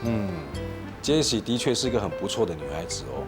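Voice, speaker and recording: A man's voice: fairly low pitch, sing-song, brisk. An earnest romantic young man. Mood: sincere. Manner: sincere, idealistic. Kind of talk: TV drama acting. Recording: dialogue under loud guitar music.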